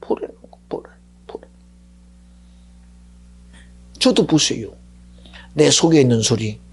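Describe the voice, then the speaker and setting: A male pastor preaching a sermon in a gravelly, very raspy voice, dropping to hushed whispers and then rising to shouts. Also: medium pitch, animated, moderate pace.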